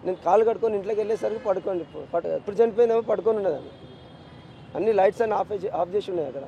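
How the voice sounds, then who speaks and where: A grieving father with a Telangana accent, giving an impassioned, halting street interview and repeating himself. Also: high-pitched, dark tone, slight background noise. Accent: Telangana Telugu.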